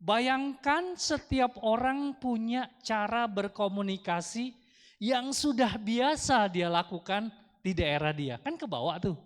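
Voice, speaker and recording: A man's voice: high voice, slow. A man with an Indonesian accent giving a chatty Dharma talk to a congregation, often asking the audience questions. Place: large temple hall. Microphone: handheld microphone through speakers. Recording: long hall reverb from speakers.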